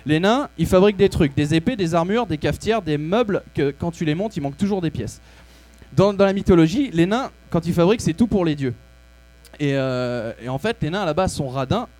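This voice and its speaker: A man's voice: fairly high pitch, darkish tone. A man hosting a comedy show, delivering a crude, rambling, mock-serious monologue. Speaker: comedy host. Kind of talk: comic monologue.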